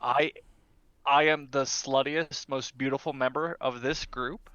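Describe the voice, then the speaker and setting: A man's voice: medium pitch, steady tone, unhurried, sharp tone, smooth, no echo, highs cut off. A man joking casually as a tabletop podcast player, playful and mock-grandiose.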